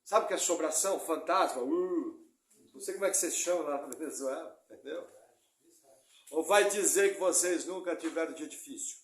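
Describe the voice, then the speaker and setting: A man preaching a sermon as pastor, lively and joking, acting out voices of church members. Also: on the high side, brisk. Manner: lively, joking preaching with mimicked congregation quotes. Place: church hall. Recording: echoey church hall.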